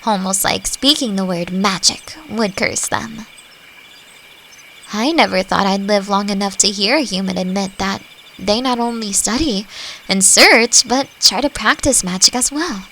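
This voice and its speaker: Woman voicing female elf, friendly and reflective, mid-pitched, creaky, conversational audio drama delivery, insect ambience in background. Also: a little slow, sharp tone. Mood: surprised, thoughtful. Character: friendly, thoughtful female forest elf, long-lived and curious. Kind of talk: roleplay audio drama addressed to the listener. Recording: faint noise, nighttime forest insect ambience. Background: crickets and forest ambience.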